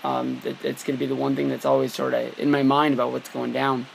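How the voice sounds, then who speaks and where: A young man's scratchy, hoarse voice, thick with gravel and fry, fills this casual vlog. He rambles loosely in a flat, even tone, restarting his sentences and leaning on fillers. A faint hiss of room noise sits underneath. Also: medium pitch, fast talker. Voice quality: scratchy, worn-out voice. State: hoarse from a long weekend. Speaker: wrestling vlogger. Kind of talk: casual talk to camera.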